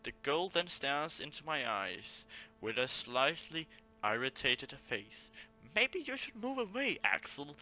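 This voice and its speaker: A man hosting a let's play, reading a visual novel aloud and breaking off into animated, jokey asides. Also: fairly high pitch, a little slow, soft background music, poor audio.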